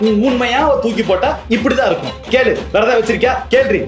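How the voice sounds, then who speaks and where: Young man acting, exasperated blunt boyfriend in a comedy short, rapid delivery, roomy sound with loud music. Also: extremely high pitch. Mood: blunt, candid. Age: young adult. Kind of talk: naturalistic colloquial phone dialogue.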